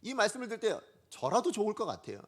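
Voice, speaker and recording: A man preaching a Sunday sermon as pastor, lively and full of questions to the congregation. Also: high voice, rapid-fire. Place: church sanctuary.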